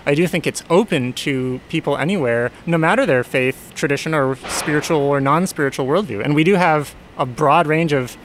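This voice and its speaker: An earnest man answers interview questions in a reflective, searching way, often rephrasing as he goes. His voice sits a little high for a man. A faint hum of outdoor street traffic runs underneath. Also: moderate pace, few pauses, poor audio. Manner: thoughtful, earnest, self-correcting. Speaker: resident of a Quaker community house.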